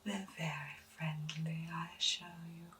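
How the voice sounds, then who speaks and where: Woman playing a slow, whispering eccentric lady doctor. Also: deep voice, steady tone, pushed and bright, distant mic, a little hiss or hum. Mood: gentle, businesslike. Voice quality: breathy whisper. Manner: soothing, measured, formally polite. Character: gentle, eccentric female doctor at strange monster clinic. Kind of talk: whispered ASMR medical roleplay.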